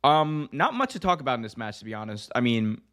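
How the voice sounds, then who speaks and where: A man co-hosting a wrestling podcast in a loose, animated way, tossing in quick mocking impressions. His voice sits at an ordinary middle pitch and sounds slightly strained. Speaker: podcast co-host. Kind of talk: casual wrestling chat.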